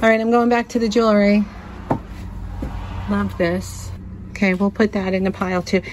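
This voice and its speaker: Inside a cluttered antique store, a woman narrates casually for her thrifting vlog, thinking aloud and chatting while she sorts vintage jewelry. She speaks at normal speed in a medium-pitched voice with fairly even intonation. A slight hiss or hum runs under the audio.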